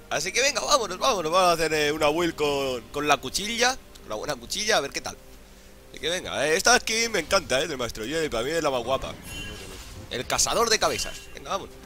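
A man's voice: fairly high pitch, lively intonation, brisk, pushed and bright, soft background music. A hungover man with an accent from Spain giving casual, jokey, foul-mouthed gameplay commentary. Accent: Spanish (Spain). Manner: crude, jokey, profane slang. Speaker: gaming YouTuber.

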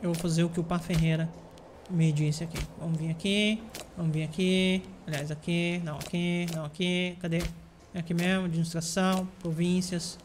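A man's voice: on the high side, little pitch movement, normal speed, a little hiss or hum. A man with a Brazilian Portuguese accent, talking casually to himself and his viewers while playing a strategy game, with bursts of exasperation. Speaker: gameplay streamer. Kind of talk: casual gameplay commentary.

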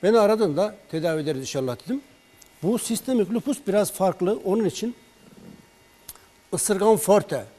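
A man tells health stories in an animated way, acting out the calls between himself and a patient. His voice sits a bit high for a man yet sounds dark and mellow. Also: normal speed, long pauses. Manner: animated storyteller, acts out patient's and his own words in dialogue. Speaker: herbal remedy expert on a broadcast. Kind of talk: storytelling health talk.

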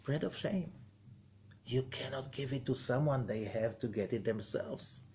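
An older man giving an animated spoken lesson as a rabbi, quoting figures dramatically. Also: medium pitch, measured pace, a little hiss or hum. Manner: expressive, gestures broadly, quotes figures dramatically. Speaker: rabbi teaching Zohar. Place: indoor room with wood paneling.

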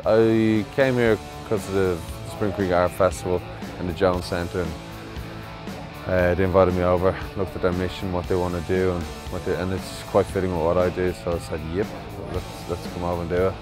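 A man's voice: deep voice, level tone, normal speed. A man with an Irish accent, a visiting mural artist talking casually and rambling a little in an interview. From Ireland. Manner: easygoing, rambling with fillers. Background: music bed.

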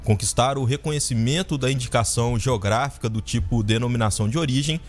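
A man's voice: mid-range voice, fast talker, soft background music. A man in his thirties co-presenting radio news in a studio, reading formally and steadily. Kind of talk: read news report. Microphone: studio mic on a boom.

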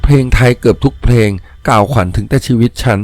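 A man's voice: mid-range voice, warm tone, lightly acted. Man voicing a sorrowful young ghost woman, plaintive. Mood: grieving, plaintive. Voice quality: faint, trembling voice. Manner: slow, plaintive, lamenting.

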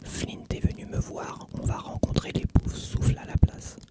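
A driven young male team captain from a storybook, always worried about losing. A reader whispers him softly, with no raised voice. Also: normal speed, close to an everyday voice. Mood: urgent, worried. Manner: whispered throughout.

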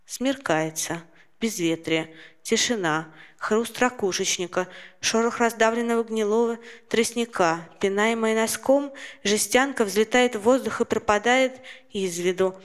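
Young woman reciting poetry slowly. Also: on the high side. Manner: slow, measured recitation. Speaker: audience member reading a poem. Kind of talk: poetry reading. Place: small lecture room. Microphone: handheld microphone.

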